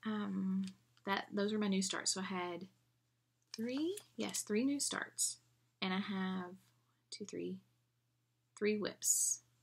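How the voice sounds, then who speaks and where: A soft-spoken, somewhat breathy woman talks at a very slow pace with long, frequent pauses. Her pitch is medium. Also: ordinary pitch variation. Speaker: cross-stitch vlogger. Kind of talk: casual chat. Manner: halting.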